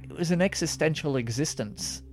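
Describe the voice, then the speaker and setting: A man's voice: fairly high pitch, expressive, normal speed, over music. A man co-hosting a podcast, chatting casually with lots of fillers and restarts. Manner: rambling, many restarts and fillers. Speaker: podcast co-host. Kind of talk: casual chat.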